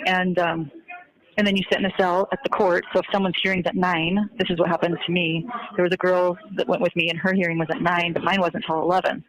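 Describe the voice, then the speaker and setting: A woman's voice: fairly low pitch, level tone, fast. A woman recounting events matter-of-factly and step by step in casual conversation on a recorded jail phone call.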